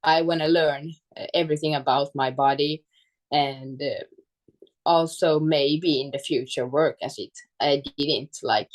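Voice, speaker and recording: A woman's voice: low-pitched, a little slow, low-quality recording. A woman from Finland, a native Swedish speaker with a Finland-Swedish accent, talking casually as an interview guest and searching for words in English. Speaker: guest, fitness coach.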